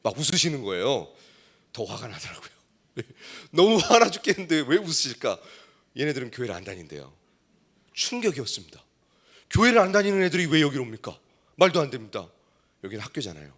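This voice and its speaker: A middle-aged male pastor preaching a sermon, telling a story and swinging between hushed asides and loud exclamations. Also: medium pitch, very animated, fairly quick, husky.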